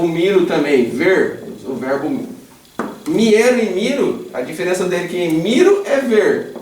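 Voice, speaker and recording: A man's voice: high voice, a little mellow, distant mic. A man with a Brazilian Portuguese accent teaching Japanese grammar in an informal class. He is patient and chatty, asks the class questions, tags his sentences with a questioning "né?", and corrects himself mid-sentence. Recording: echoey room, voice away from the mic, faint background hum.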